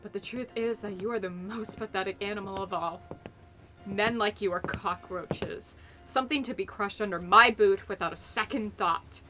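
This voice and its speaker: A woman's voice: mid-range voice, normal speed, over music, lightly acted. An actress playing a tough, wry female spy in an audio drama, loyal and defiant. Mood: cold contempt. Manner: wry, hard-boiled, defiant.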